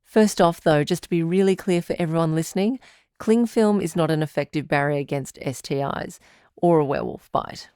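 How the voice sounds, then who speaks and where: Actress as lady doctor on a radio advice show drama, lower voice, calm n patient, very dry sound. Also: moderate pace, clear, resonant tone, no echo, natural voice. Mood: reassuring, informative. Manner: patient, reassuring, articulate. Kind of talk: scripted radio call-in drama.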